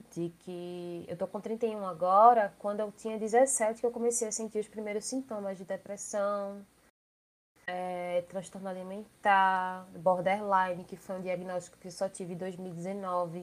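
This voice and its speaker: A woman at a fairly slow pace and medium pitch, with an unremarkable speaking voice, fairly even intonation and big swings in loudness. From Brazil, Recife (Pernambuco). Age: 30s. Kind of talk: interview conversation.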